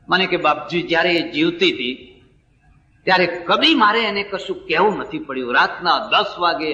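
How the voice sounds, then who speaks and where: A man's voice: fairly high pitch, sharp tone. A man with a Gujarati accent giving a spiritual discourse, telling stories and acting out the words of the people in them. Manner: storytelling, acting out dialogue of others. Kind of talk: sermon with told stories. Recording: distant, roomy, dull sound from a hall.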